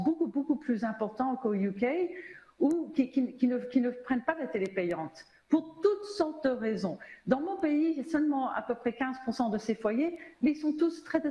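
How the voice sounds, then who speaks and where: A woman's voice: on the high side, dark tone, muffled recording. Emphatic American-born woman, echoey hall. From United States. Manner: emphatic, many restarts, English words mixed in. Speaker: media analyst panelist. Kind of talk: panel discussion. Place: auditorium stage.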